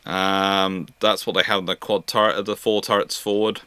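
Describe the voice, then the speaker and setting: A male host chats through viewer questions in a bright, forceful voice. He often stammers and repeats words before landing a point. The sound is dry, with little room around it. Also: deep voice, little pitch movement, normal speed, smooth, no room sound. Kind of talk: live question-and-answer chat on naval history.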